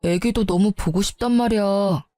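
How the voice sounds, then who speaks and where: A woman's voice: medium pitch, moderate pace, warm tone, no room sound, lightly acted. A woman voicing a young husband who keeps pleading with his wife for forgiveness. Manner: pleading, begging.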